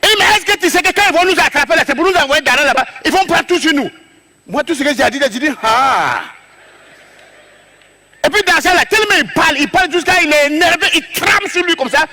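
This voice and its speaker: A man with a West African French accent doing an animated comic story on stage, acting out scenes and jumping between shouts and low asides. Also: brisk. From Togo. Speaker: stand-up comedian.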